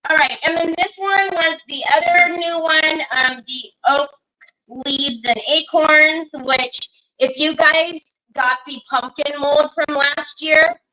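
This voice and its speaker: A woman's voice: sits high, steady tone, slow pace, sharp tone, dull audio. A woman hosting a casual craft livestream, chatting along and greeting viewers by name as she works. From Northern California. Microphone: computer mic on a livestream.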